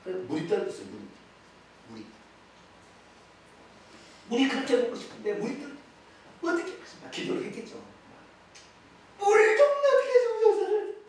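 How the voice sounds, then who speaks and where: A pastor preaches in a high, very lively voice with a regional Korean accent, swinging from loud exclamations down to near-whispers. He is picked up from well away from the mic, and the church sanctuary echoes heavily around him. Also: fairly quick, pauses often, far from the mic, slight background noise. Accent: Korean regional dialect. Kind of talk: sermon.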